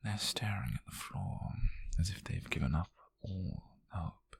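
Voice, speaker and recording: A British man voices a possessive, calculating nobleman who buys captives at auction, in an intimate ASMR roleplay. His soft, menacing, condescending murmur is breathy, husky and gravelly low, delivered a little slowly with lively intonation and a full character voice, sounding intrigued and calculating. The mic is close and the sound is dry.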